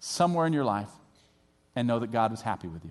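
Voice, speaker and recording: A man's voice with very wide pitch swings, over a quiet background. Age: 50s. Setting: church with congregation.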